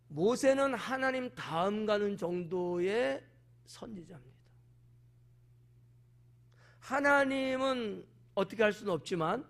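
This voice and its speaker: A man with a fairly high voice preaching a sermon at an evening service. He walks through a Bible passage line by line and keeps turning to his listeners with questions. He acts out the speakers in the text with animated, sarcastic quoted lines. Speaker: pastor.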